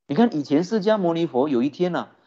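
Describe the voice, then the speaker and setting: A man who is a Buddhist teacher, giving a sermon with lively storytelling and rhetorical questions. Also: fairly high pitch, fast talker. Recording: dull lo-fi recording.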